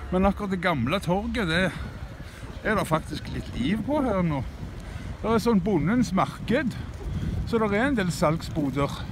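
A man speaks at a high pitch and a fairly slow pace, with lively intonation. The sound is dry with no echo, though there is noticeable background noise. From Norway, Stavanger; Norway. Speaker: video blogger; vlogger. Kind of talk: vlog narration walking around town. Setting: outdoors. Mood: calm, mildly wry. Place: street. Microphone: phone near.

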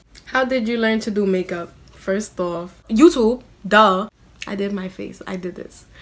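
Speaking with an American accent at a fairly slow pace, a woman shows big swings in loudness and ordinary pitch variation. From US East Coast, New Jersey, Senegalese family. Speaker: YouTuber and aspiring model; beauty vlogger. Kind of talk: casual Q&A vlog. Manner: animated. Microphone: phone near.

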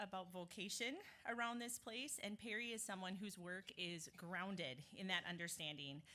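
A woman with a medium pitch speaks at a moderate pace in a bright, sharp tone with lively intonation. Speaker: college advancement staff. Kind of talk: speaker introduction. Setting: stage with audience. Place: hall. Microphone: podium.

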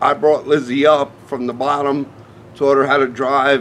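Against light background noise, a man with a New Jersey accent speaks fairly slowly at a fairly high pitch. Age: 60s. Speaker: drag racer. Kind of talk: interview. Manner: blunt, outspoken. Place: garden. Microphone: lapel.

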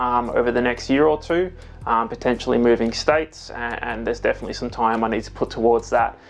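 Music plays in the background while a man speaks at a fairly quick pace. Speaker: channel host. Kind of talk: casual vlog chat. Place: home room. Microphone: lapel.

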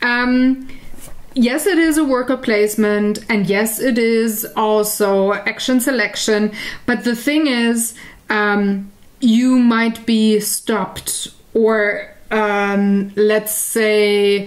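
Speaking very slowly in a German accent, a woman uses a fairly high pitch, fairly even intonation and very even loudness. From Germany. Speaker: board game podcast co-host. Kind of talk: casual chat. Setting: studio. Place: home room.

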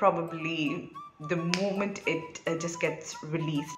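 Clear music plays behind a woman speaking at a fairly low pitch. Her pace is moderate and her intonation fairly even. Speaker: reaction vlogger. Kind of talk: casual vlog chat. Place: home room. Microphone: phone near.

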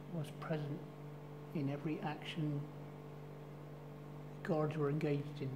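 A moderate pace against noticeable background noise. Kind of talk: casual vlog chat, reading an inscription aloud. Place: church. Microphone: phone near.

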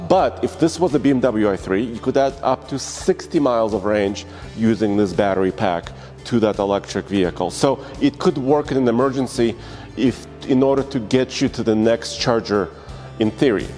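A man talks at a moderate pace, with faint music playing in the background. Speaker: video host. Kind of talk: product demonstration. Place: garage. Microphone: lapel.

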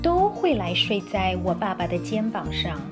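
Music plays in the background. A woman speaks at a fairly slow pace. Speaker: story time host who reads books aloud in English and Mandarin. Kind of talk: children's picture book read-aloud in Mandarin Chinese. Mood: playful, expressive sound effects. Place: home room.

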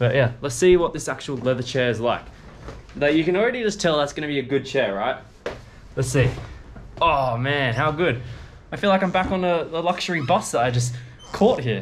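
With an Australian accent and lively intonation, a man at fairly high pitch talks at a fairly quick pace, taking long, frequent pauses over light background noise. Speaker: travel vlogger. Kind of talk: casual travel vlog narration. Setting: outdoors on the street. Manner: animated. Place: home room. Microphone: phone near.

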